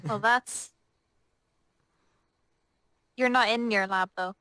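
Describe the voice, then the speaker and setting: A woman's voice: mid-range voice, steady tone, slow pace, sharp tone, no echo. Woman playing a tabletop game, mid-range voice, casual improv, dry close audio. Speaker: roleplaying game player. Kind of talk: casual in-character improvised dialogue.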